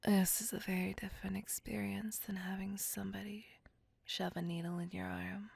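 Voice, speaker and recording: A woman voicing a possessive, courtly, ancient female vampire in a slow, intimate, whispered ASMR roleplay with formal old-fashioned speech. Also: mid-range voice, little pitch movement, creaky, darkish tone, slightly rough, no echo. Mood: coaxing. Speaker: voice actor. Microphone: close ASMR microphone.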